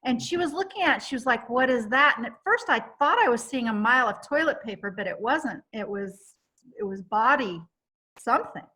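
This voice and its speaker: A woman hosting a chat, telling a long story in an animated, rambling way with many restarts. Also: on the high side, brisk. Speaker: host.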